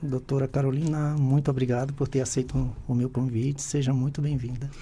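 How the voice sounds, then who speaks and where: A man hosting a radio interview, speaking in a measured, formal, announcer-like way from a radio studio. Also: mid-range voice, little pitch movement, warm tone, a little hiss or hum.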